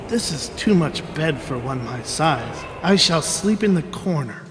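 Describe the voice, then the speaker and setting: A boastful, merry little tailor from a storybook drama, played by a man. The voice sits fairly high, and the delivery is cocky, theatrical and old-fashioned. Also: animated, measured pace, background noise. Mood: pleased. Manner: cocky, archaic theatrical speech.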